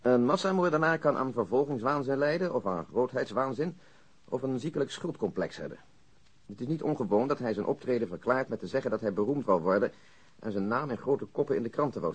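An actor playing a methodical male police detective in a radio drama, matter-of-fact and measured, as if reciting a report. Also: mid-range voice, husky. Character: methodical, dry police detective with an exact memory.

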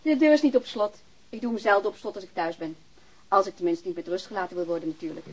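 A woman's voice: mid-range voice, fast, natural voice, rough recording. An actress playing an unbothered, informal woman at home in a radio drama. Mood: breezy. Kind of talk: Dutch radio drama acting, conversational.

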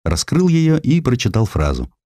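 A man reading a historical essay as a dramatic audiobook narrator, with expressive, measured literary phrasing into a close studio mic. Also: medium pitch, no room sound. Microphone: close studio microphone.

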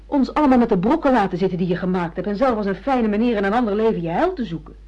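An actress plays a woman secretary who is secretly the mistress, frank and lecturing. Her voice is dark and mellow with a husky grain. It is radio play acting, heard through a muffled, lo-fi recording. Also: medium pitch, lively intonation, very fast, close to an everyday voice. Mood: indignant, reproachful. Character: self-assured secretary and secret mistress, scolding her amnesiac boss.

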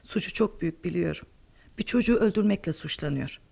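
A man's voice: sits high, quick pace, gravelly, a little mellow, slightly rough, heavily acted. A man acting a distraught parent, anguished and urgent, in old-style radio theatre. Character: distraught parent of an accused son.

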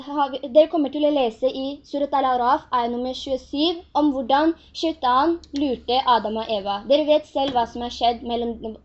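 A woman's voice: high voice, a little mellow. A woman teaching a religious lesson in an earnest way, often posing rhetorical questions to her students. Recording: dull lo-fi recording.

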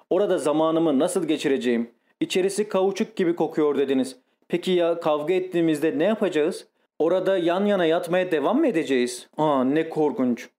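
Man reading a capricious young wife, exclaiming, self-pitying, slightly high voice, audiobook. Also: mellow, natural voice.

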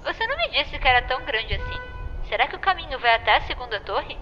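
A woman's voice: high-pitched, very animated, fast, big-room sound, lo-fi sound, music in the background. An actress playing a worried young woman who rambles nervously.

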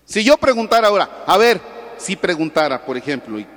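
A man, a priest, giving a Catholic homily slowly, swinging from loud emphasis to soft near-whispers. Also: high voice, sing-song. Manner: acts out little dialogues with a confessing parishioner. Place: church. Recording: long church reverb.

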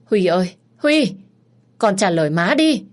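A woman voicing a desperate middle-aged mother who pleads and cries out, her voice climbing high and loud. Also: sing-song, measured pace. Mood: panicked.

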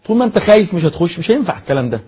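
A man with an Egyptian Arabic accent giving a spoken lesson as a Quran memorization teacher, lecturing in a lively way with rhetorical questions. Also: high-pitched, rapid-fire, slightly rough. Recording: dull lo-fi recording.

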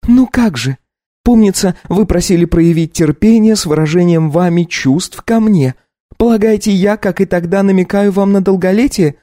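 A man voicing a defiant young countess and mother, speaking in a shrill, pleading way. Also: moderate pace, mellow, dry recording, clean studio sound, natural voice. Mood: bitter defiant.

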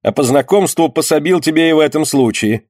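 A man's voice: fairly high pitch, animated, brisk, a little mellow, dry recording, studio quality, voice pushed up. A man voicing a swaggering male street tough who teases in a brash, mocking way. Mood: teasing.

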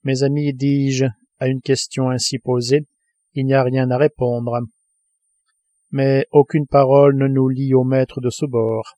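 A man's voice: mid-range voice, flat delivery, unhurried, dark tone, no room sound, natural voice. A man reading the lines of an earnest, indignant male scientist held captive, in an audiobook.

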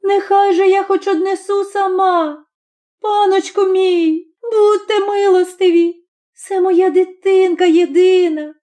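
A woman voicing a desperate young peasant mother, pleading in a high, tearful, strained voice in a storybook reading. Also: steady tone, extremely slow, few pauses, dark tone, full character voice.

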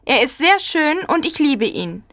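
A high, earnest little girl's voice, as a male storyteller puts her on, soft and pleading, lifting and falling widely as she speaks. The words come slowly. Dry, close sound. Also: very animated, no room sound, exaggerated voice. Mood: tender. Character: little girl, earnest and tender-hearted.

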